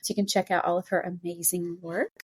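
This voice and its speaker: A woman's voice: lowish voice, little pitch movement, brisk, breathy edge. A woman hosting a podcast, chatting casually and effusively with a guest. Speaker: podcast host. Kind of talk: casual interview chat.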